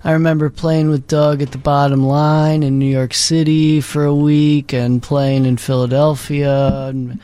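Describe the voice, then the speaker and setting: A man in a radio studio, talking casually and at length, with many pauses and ums. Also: on the high side, no echo. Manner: relaxed, rambling, many ums. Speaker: music professor and multi-instrumentalist. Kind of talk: casual radio interview talk.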